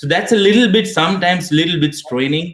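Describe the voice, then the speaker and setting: A man with an Indian accent and lively intonation. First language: Kannada. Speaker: Franciscan friar and YouTuber musician. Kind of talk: interview. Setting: live online video interview.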